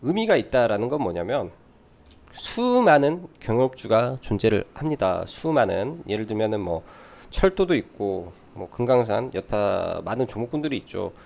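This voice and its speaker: Male stock commentator with lively, gravelly delivery. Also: lowish voice, moderate pace. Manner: explanatory, poses questions then answers them. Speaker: stock market commentator and trading adviser. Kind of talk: live stock market recap commentary.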